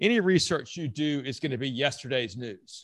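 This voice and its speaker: A man with a plain, everyday voice, fairly high in pitch, lively in intonation, at a moderate pace, the sound dry and close with no echo over a quiet background. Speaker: sales consultant. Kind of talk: interview conversation.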